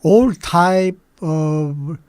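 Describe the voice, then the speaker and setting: A man in his eighties, native Korean speaker, recalling his childhood in a halting way with many pauses. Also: a little high, a little mellow, smooth, dry recording. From Manchuria. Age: 80s. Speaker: guest. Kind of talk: recalling memories in an interview.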